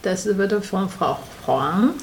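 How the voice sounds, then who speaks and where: A woman's voice: mid-range voice, animated, slow, slight background noise. Woman with a Chinese accent, searching for words. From Taiwan. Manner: non-native German with frequent grammar slips, searching for words. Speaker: interviewee, former opera singer and concert organizer. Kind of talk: casual interview conversation.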